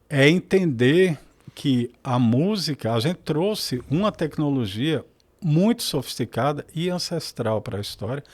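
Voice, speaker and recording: A man, a guest on a podcast, talking in a reflective, rambling way and correcting himself as he goes. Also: a little high. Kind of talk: casual podcast conversation.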